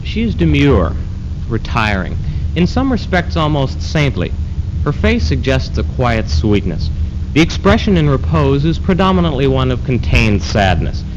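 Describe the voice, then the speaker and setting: A man acting as a measured, formal narrator who appraises women in readers theater. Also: medium pitch, big pitch swings, natural voice. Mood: appraising. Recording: dull noisy 1970s archive recording.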